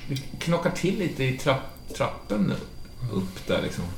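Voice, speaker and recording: A man's voice: a little high, huge pitch swings, vocal fry, slight background noise. A man narrating as game master in a tabletop game, in a casual way full of fillers. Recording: roomy with music behind.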